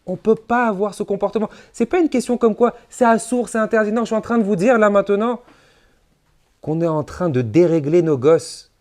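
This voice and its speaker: Emphatic preaching rabbi, man. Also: fairly quick. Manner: emphatic preaching, sudden rises and drops in pitch and loudness; mixes Hebrew religious terms into speech. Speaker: rabbi giving a lecture. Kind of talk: conference sermon.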